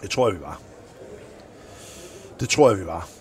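A man, a former handball coach, telling animated stories in an interview and acting out the people he quotes. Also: low voice, slight background noise. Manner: animated, acts out quoted voices in anecdotes. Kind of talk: anecdotal interview storytelling.

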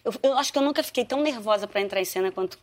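A stage actress chatting in an interview, telling stories with lots of life and acting out quotes. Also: female voice, medium pitch, rapid-fire. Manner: lively storytelling, acts out quotes. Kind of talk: casual interview chat.

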